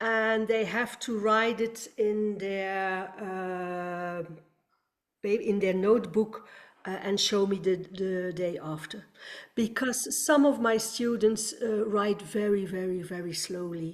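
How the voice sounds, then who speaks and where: With a non-native accent, a woman talks at a very slow pace. Her pitch is medium, with ordinary pitch variation. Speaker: language teacher, workshop presenter. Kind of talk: answering questions in online workshop. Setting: video call.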